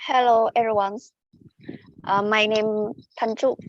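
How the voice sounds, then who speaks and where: A woman's voice: medium pitch, steady tone, a little slow. A woman in her twenties with a Vietnamese accent, hesitantly introducing herself in an English class. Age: 20s. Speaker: student. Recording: dull call audio, faint noise.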